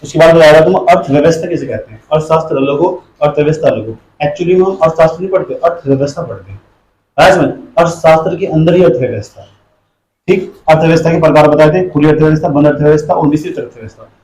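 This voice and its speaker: Guy teaching a class, keeps asking questions and telling kids to shush, kinda high voice, roomy echo. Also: fast, darkish tone, a little hiss or hum. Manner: scolding, quizzing the class. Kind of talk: classroom lecture. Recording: echoey classroom.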